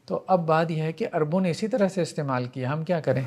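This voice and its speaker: A man's voice: fairly high pitch, darkish tone. A man teaching Arabic grammar in a classroom lecture, patiently explaining and reciting verb conjugations in a chanting rhythm.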